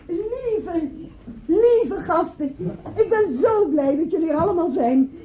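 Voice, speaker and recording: Casting: effusive hostess and devoted wife, high voice, halting speechmaking, radio drama, dull recording. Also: female voice, expressive, full character voice. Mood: gracious, excited. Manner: gushing, halting party speech with repeats. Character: effusive hostess toasting her husband's birthday, devoted and chatty. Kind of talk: Dutch radio play acting.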